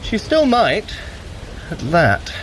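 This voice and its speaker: An actor playing a wry, haughty trickster god in an audio drama, speaking with dry sarcasm and formal, eloquent phrasing. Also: male voice, sits high, wildly swooping pitch, slow, fairly bright tone, a little hiss or hum, exaggerated voice, poor audio. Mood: sardonic, grudging.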